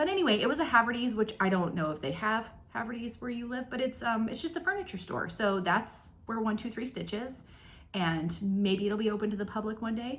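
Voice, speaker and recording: A woman's voice with vocal fry and an American accent. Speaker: cross-stitch vlogger. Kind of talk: casual chat. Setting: home craft room.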